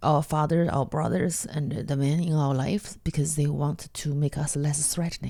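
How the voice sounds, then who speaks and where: Hardly any pauses, very even loudness and fairly even intonation, in a Chinese accent. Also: woman, very deep, low pitch for a woman. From China. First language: Mandarin Chinese. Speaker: stand-up comedian. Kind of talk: casual interview chat. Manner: fast.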